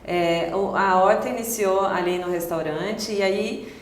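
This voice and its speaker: A woman's voice: mid-range voice, a little slow, roomy sound, slight background noise. A woman restaurant owner as an interview guest, answering hesitantly and searching for words with many fillers.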